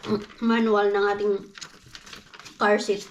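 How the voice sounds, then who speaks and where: A woman's voice: medium pitch, little pitch movement, slow pace, a little hiss or hum. A woman from the Philippines chatting casually in a home vlog, switching to a sing-song voice when talking to her toddler. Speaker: vlogger mom.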